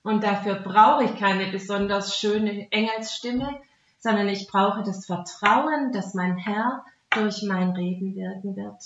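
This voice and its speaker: A woman's voice: medium pitch, slow pace, slight background noise. A woman with a Swabian German accent giving a devotional talk as a Christian speaker, plain-spoken, earnest and conversational. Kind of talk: devotional talk mixing Bible teaching and personal testimony. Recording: roomy echo, dull muffled sound.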